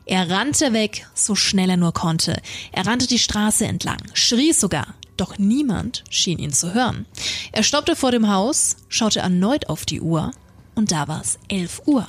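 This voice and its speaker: Husky woman reading a horror story. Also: medium pitch, animated, unhurried. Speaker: co-host reading horror stories. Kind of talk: scripted narration.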